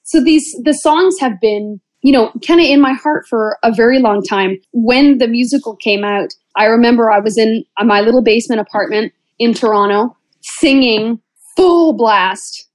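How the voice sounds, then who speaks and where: A woman speaks as the guest in an interview, answering in a conversational way. Her voice sits a bit high, and the recording is dry. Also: moderate pace, no echo, poor audio. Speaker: interview guest, musical theater actress.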